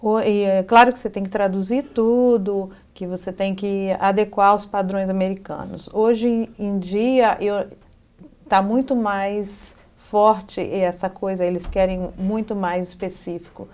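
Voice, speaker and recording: Woman, middle-aged, from Brazil, educational psychologist, TV interview guest, thoughtful, searching for words, mid pitch. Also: steady tone, a little slow, darkish tone. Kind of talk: TV interview answers.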